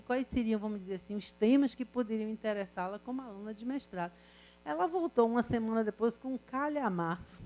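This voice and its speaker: An older woman university professor lectures to her class, slipping from advice into personal stories. Her voice sits a little high, and she keeps checking in with the students through rhetorical questions. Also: darkish tone.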